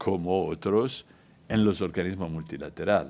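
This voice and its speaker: In a very clean recording with a silent background, a man with an Italian accent speaks at a fairly slow pace in a very deep, low pitch with ordinary pitch variation. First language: Italian (speaking Spanish). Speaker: economist, development expert. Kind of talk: lecture.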